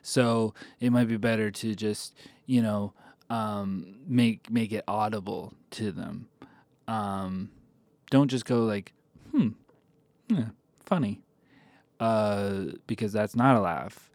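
Slow deadpan man on a voice memo. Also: on the low side, no room sound. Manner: deadpan, halting, many ums. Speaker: comic giving mock advice. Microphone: phone voice memo.

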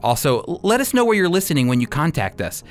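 A man's voice: a little high, big pitch swings, fast. A man hosting a Christian radio program, speaking directly to listeners in a scripted appeal. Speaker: radio host and teacher. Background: music.

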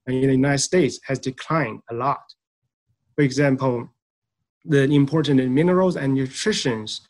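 A man in his thirties from Eastern China, a soil scientist answering interview questions in a measured, explanatory way with frequent fillers. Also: fairly high pitch.

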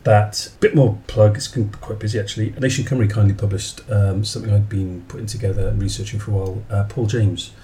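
A man's voice: lowish voice, fairly even intonation, brisk, hardly any pauses, dark tone, a little hiss or hum. A man in his forties hosting a podcast in a casual, rambling way, often correcting himself as he goes. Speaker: podcast host. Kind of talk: casual chat, podcast introduction.

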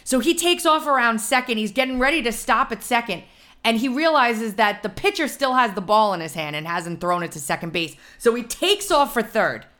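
A woman hosting a podcast, her voice hoarse and scratchy, telling stories in a lively, animated way. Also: fairly high pitch, normal speed. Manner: animated storyteller. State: hoarse from screaming. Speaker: podcast host. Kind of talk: casual chat.

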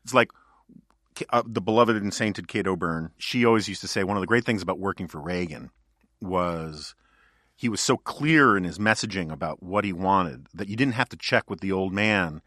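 A man's voice: sits low, moderate pace, bright, forceful tone, no room sound, clean studio sound. A male podcast host in casual political chat, talking in a wry, joking, digressive way.

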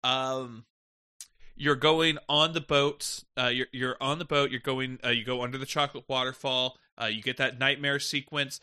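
Man with a very bright, sharp voice. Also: medium pitch. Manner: rambling, searches for words. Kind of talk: casual chat.

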